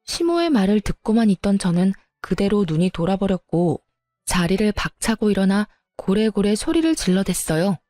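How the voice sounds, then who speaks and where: A woman's voice: mid-range voice, very animated, moderate pace, mellow, no echo, soft background music. A woman narrating a scripted family-drama story in an indignant, sarcastic tone.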